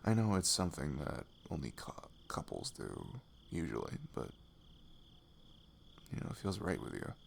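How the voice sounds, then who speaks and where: A man playing a sweet, nervous young best friend in an intimate ASMR roleplay, speaking haltingly with a husky, breathy voice that drops toward whispers. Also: a bass voice, sing-song, slight background noise, full character voice. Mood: shy, cozy. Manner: hesitant, halting, slipping into whispers.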